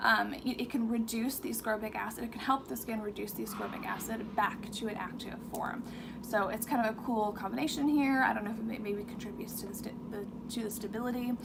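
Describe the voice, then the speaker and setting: A woman with a fairly high pitch talks very fast with fairly even intonation. Room echo is audible, along with noticeable background noise. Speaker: skincare YouTuber. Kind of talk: livestream product review. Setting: YouTube live stream at home. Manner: casual, with fillers and restarts.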